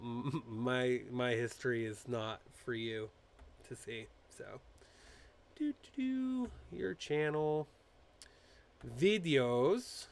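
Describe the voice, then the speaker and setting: Smooth and medium in pitch, this political commentary host runs a loose, casual live stream. He stays animated throughout, mocking public figures with impressions while his speech is peppered with fillers and restarts.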